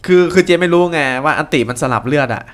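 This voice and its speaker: Young guy chatting fast over a game, bit high voiced, some faint hiss behind. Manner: chatty, excitable, teasing. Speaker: game commentator. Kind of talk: casual gameplay commentary. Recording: faint background noise.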